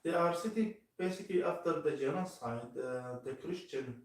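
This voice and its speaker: A man's voice: fairly high pitch, normal speed, far from the mic. Hesitant man from Syria, echoey room. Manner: hesitant, lots of fillers. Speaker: podcast guest. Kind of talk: casual interview.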